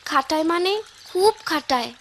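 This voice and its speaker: Cast: a bright, eager village girl in a cartoon, high and lively, rustic speech. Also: moderate pace, background noise. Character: young village girl, kind and hardworking. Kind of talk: cartoon voice acting.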